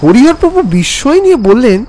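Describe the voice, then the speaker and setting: An expressive narrator telling a scripted horror story with suspense and drama. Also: sits high, a little fast.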